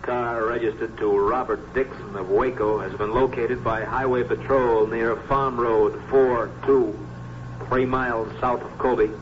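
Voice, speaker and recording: Clipped police dispatcher over radio. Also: male voice, medium pitch, steady tone, a little slow. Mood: official. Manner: clipped, formal. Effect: two-way radio. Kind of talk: 1950s radio drama acting. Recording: distant, dull radio transmission with faint noise.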